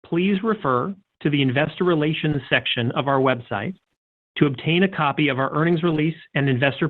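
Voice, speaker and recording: Stiff corporate man on a tinny phone line. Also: fairly high pitch. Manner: stiff, formal, measured. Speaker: head of investor relations. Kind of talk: formal scripted corporate disclosure reading. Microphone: telephone.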